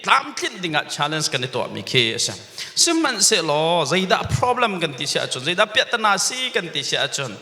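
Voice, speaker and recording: Man, pastor, sermon, animated pitch, sharp tone, church reverb. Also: a little fast. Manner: mixes English words into his preaching. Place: church sanctuary.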